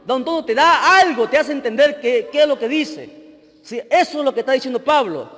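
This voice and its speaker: A man, an evangelist preaching a sermon, who keeps asking his listeners short questions and swings between loud reading and quiet asides. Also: very high-pitched, lively intonation, fairly quick, long reverb tail. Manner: teaching, asks the crowd short questions.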